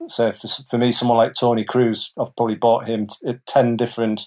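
A man talks at a fairly quick pace with medium pitch. His intonation is monotone and flat. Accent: British. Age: 40s. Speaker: professional gambler and trader. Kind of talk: casual chat.

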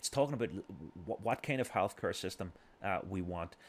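With a Belfast accent, a man with a very deep, low pitch speaks at a moderate pace. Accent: Belfast Northern Irish. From Northern Ireland, Belfast. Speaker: politician. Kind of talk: interview. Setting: studio. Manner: halting.

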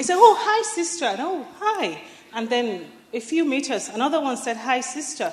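A woman's pitch swings very widely as she talks. She keeps a moderate pace over noticeable background noise. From Nigeria. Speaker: audience member. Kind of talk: audience question. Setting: stage with audience.

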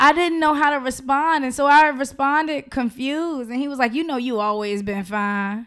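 Loud and at a moderate pace, a woman talks in a high pitch with ordinary pitch variation and hardly any pauses, on a very clean recording with a silent background. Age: 20s. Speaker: podcast host. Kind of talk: casual chat. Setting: studio, streamed live.

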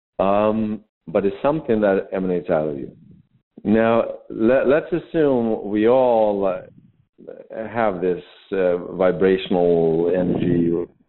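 A man with a Swedish accent speaks at a fairly low pitch and a fairly slow pace. His intonation is lively, broken by long, frequent pauses. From Sweden. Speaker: voice coach. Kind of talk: interview.

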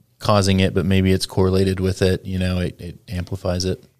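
In a very clean recording with a silent background, a man with a very deep, low pitch talks at a fairly quick pace with monotone, flat intonation. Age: 30s. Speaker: podcast host. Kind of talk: podcast interview.

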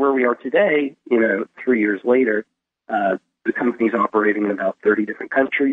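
Speech comes at a fairly quick pace. It is a normal speaking voice. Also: man. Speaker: tech startup founder. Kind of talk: interview. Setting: phone call.

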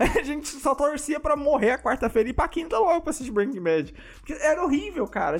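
Speaking at an extremely high pitch, a man races along at a very fast pace with hardly any pauses. His intonation is lively. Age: 20s. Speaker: podcaster. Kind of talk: casual chat.

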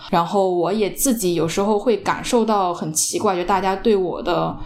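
A woman talks at a fairly slow pace and a medium pitch, with ordinary pitch variation. Her recording carries audible room echo and noticeable background noise. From China. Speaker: fashion designer. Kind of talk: interview.

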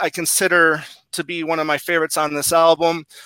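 A man's high-pitched, bright, sharp voice with an American accent, dry and close with no echo. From Arizona. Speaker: podcast co-host. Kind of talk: casual panel discussion. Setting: video call.

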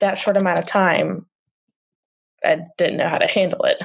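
A woman speaks at a medium pitch in a North Carolina accent over a quiet background. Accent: Southern US (North Carolina). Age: 20s. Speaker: grief coach and podcaster. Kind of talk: interview, personal testimony. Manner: mature-sounding for her age.

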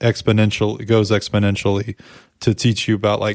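With a dry, close sound and no echo, a man speaks in a fairly low, flat monotone at a moderate pace. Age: 30s. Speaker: podcast guest, testosterone therapy patient. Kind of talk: casual chat. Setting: video call.

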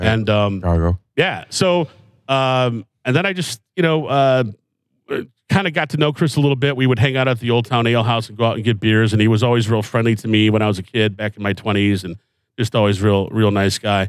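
This is a normal speaking voice with an American accent. It moves at a fairly quick pace with ordinary pitch variation. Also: man, medium pitch for a man. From Chicago suburbs (Lombard, Illinois). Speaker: comedian. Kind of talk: casual chat. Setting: studio.

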